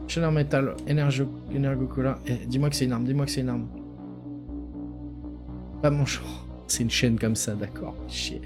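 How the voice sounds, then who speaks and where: A man's voice: medium pitch, fairly even intonation, moderate pace, long pauses. A man streaming a game live, chatting casually, reacting aloud and swearing freely as he plays. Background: game music.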